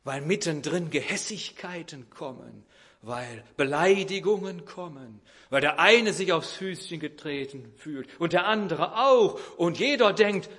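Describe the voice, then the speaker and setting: A man with a fairly high voice delivering a sermon. He explains through a homely example and slips into the voices of the people in it. His delivery is lively and conversational. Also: a little slow. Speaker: preacher.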